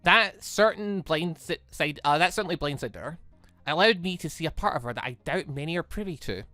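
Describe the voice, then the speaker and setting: Bright-voiced, animated gaming video host. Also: mid-range voice, a little fast, no room sound, faint music behind. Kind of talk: casual gameplay commentary and reading game text aloud.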